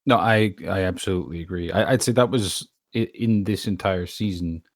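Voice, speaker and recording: Deep-voiced man in earnest chat. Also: moderate pace, no echo, studio quality. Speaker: voice actor. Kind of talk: casual podcast discussion.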